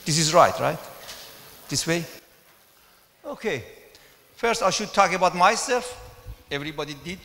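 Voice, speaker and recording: A middle-aged man from Iran with a Persian accent, giving an informal conference talk in a halting, hesitant way. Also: on the high side, animated, pushed and bright. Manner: hesitant, halting delivery with frequent pauses. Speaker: mathematics professor and conference speaker. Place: large conference hall, indoors at a podium. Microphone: handheld microphone. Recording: echoey hall with long reverb.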